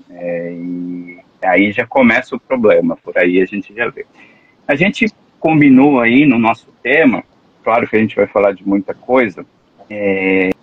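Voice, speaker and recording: A man's voice: lowish voice, breathy edge, phone-quality sound. A man hosting a political live stream interview, talking earnestly and often hesitant, with restarts. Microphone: live stream call.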